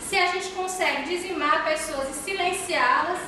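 A raised, projected voice in a Brazilian accent at a moderate pace with ordinary pitch variation, amid noticeable background noise and strong room echo. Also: woman. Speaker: former university lecturer and columnist; former university lecturer. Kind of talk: round-table talk. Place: hall.

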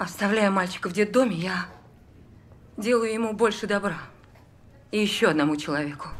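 A woman speaks at a fairly quick pace. Her pitch shifts in an ordinary way. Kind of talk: scripted drama dialogue. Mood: calm, composed, slightly sad. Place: hall.

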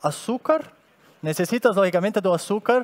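With a non-native accent, a man speaks at a high pitch with lively intonation. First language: Portuguese (speaking Spanish). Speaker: pastry chef; pastry chef demonstrator. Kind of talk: cooking demonstration. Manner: halting. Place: stage.

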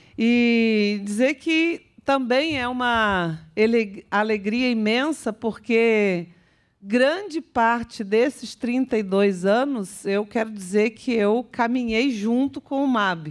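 Over a quiet background, the woman's fairly high voice unfolds at a very slow pace with ordinary pitch variation. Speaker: state legislator. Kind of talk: political speech. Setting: assembly hall with audience. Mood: warm, engaged. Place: meeting room. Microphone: podium.

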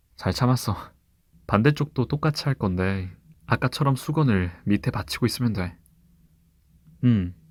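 A gentle, soothing, somewhat breathy voice moves at a very slow pace with lively intonation and long, frequent pauses, on a very clean recording with a silent background. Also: man. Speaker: voice actor / asmr creator. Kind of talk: asmr roleplay of a caring school nurse. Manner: gentle, soothing, coaxing, playfully teasing.

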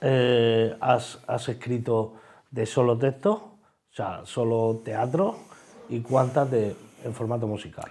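A man's voice at medium pitch, very slow in pace. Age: 40s. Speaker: interviewer. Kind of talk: interview. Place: studio. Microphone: lapel.

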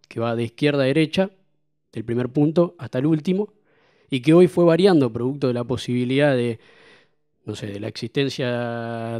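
Over a quiet background, a man with a fairly high pitch and a dark, mellow tone talks at a moderate pace with ordinary pitch variation. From Argentina. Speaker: sports journalist. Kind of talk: panel talk. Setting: auditorium with audience. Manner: hesitant, frequent fillers. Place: hall. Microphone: handheld.

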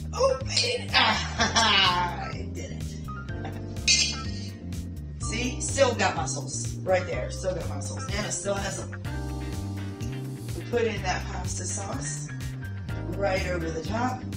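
A woman speaks at a very slow pace, with long, frequent pauses. Music plays clearly in the background. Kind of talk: casual cooking tutorial chat. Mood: playful, joking. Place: kitchen. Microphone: camera far.

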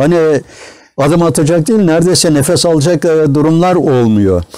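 Against a quiet background, a man with a dark, mellow tone and fairly high pitch speaks at a moderate pace with lively intonation. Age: 80s+. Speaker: retired literature teacher. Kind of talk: interview answer.

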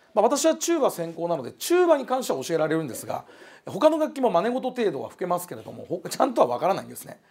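A man speaks in a high voice that swings very widely in pitch. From Fukushima, Japan. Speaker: middle school band teacher, seminar lecturer. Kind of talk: lecture. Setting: seminar with audience. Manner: filler-heavy, conversational. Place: meeting room. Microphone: handheld.

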